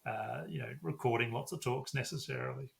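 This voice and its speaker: Gravelly-voiced male podcast host. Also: mid-range voice, a little fast, a bit bright. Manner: conversational, affirming, laughs readily. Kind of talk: casual interview chat.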